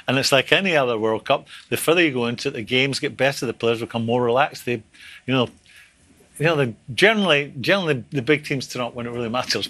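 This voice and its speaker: An older man giving measured, careful football analysis in a TV studio on a lapel mic. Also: mid-range voice, fairly bright tone. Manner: measured, searching for words. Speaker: football pundit. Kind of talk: post-match studio analysis. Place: TV studio above a stadium.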